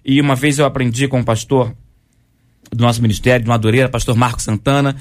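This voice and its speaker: A man's voice: mid-range voice, fairly even intonation, fast. A man, a pastor, teaching on a talk show and citing Bible verses as he explains. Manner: explanatory, cites scripture verses.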